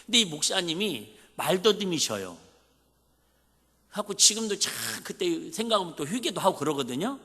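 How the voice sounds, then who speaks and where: In a reverberant church sanctuary, a male pastor in his fifties with a Jeolla Korean accent gives a folksy, conversational sermon packed with rhetorical questions. His voice sits high and sounds bright and forceful, very animated at a moderate pace.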